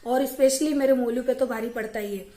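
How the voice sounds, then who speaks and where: A young woman vlogging from her home, chatting to camera and telling stories in a lively way. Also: fairly high pitch, normal speed, roomy sound. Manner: chatty, animated storytelling. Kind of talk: casual chat to camera. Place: at home, indoors.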